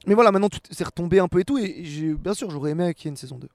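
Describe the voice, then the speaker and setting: Young man, relaxed and rambling. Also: high-pitched, very fast. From France. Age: 20s. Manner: relaxed, rambling, many fillers and restarts. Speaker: actor and rapper guest. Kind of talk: casual interview answers.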